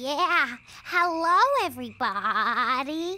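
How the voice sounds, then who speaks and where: A cartoonish character voice at a very slow pace. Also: female-sounding voice, high pitch for a woman. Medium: puppet.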